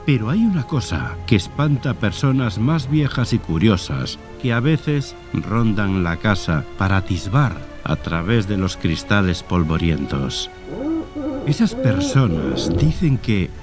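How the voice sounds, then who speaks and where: A man narrating a horror short story as a dramatized audiobook, in a measured, literary storytelling manner. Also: on the low side. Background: music bed under the narration.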